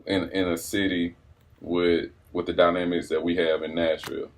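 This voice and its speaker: A man's voice: low-pitched, flat delivery, normal speed, gravelly. A man interviewing a guest in a laid-back, casual way, prompting him with short questions and backchannels.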